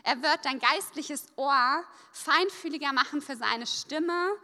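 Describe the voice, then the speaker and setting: A woman preaching a sermon in a lively, conversational way, pausing so an interpreter can follow. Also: high-pitched. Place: church service hall. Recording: long reverb of a church hall.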